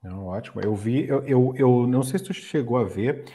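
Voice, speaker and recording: A man's voice: medium pitch, normal speed, mellow. A middle-aged man, hosting a live stream and reading viewers' questions. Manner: reads viewer questions, agreeable interjections. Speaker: host. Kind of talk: casual chat on a live stream.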